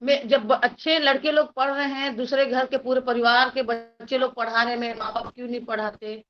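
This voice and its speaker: A woman from Chhattisgarh, India, with a Chhattisgarhi accent, earnestly tells her life story as a guest, acting out the voices of people she quotes. Her fairly high voice stays flat in pitch and moves briskly, on a dull lo-fi recording.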